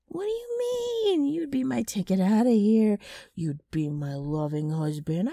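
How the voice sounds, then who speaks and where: A woman acts out a brash ghoul woman in an ASMR roleplay, rough and dark-toned. Her pitch swings widely as she wheedles and needles with sardonic mischief. The sound is very dry and close. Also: no room sound, heavily acted. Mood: scheming, coaxing. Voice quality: rough, gravelly.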